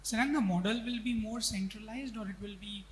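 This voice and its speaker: A man's voice: high-pitched, brisk. A man with an Indian accent, an analyst politely putting questions on a conference call. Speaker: financial analyst asking questions. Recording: faint noise and hum on call.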